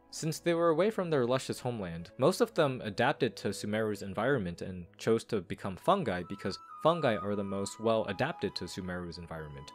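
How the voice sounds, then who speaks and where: Man, fairly low pitch, animated intonation, casual explanatory delivery, scripted video game analysis, light background music. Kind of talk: scripted review commentary over a game story.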